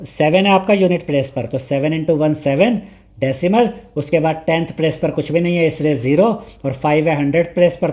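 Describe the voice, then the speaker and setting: A man teaching a maths lesson, explaining step by step, repeating each point, and reading textbook lines slowly. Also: on the high side, darkish tone. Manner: mixes Hindi with English maths terms, reads English textbook lines slowly.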